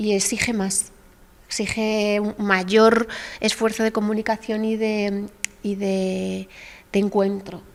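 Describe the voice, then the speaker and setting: A woman of medium pitch speaks very slowly in a flat monotone, with long, frequent pauses and noticeable background noise. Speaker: film director and screenwriter. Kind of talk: public conversation, interview. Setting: university lecture hall with audience. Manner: halting, many restarts.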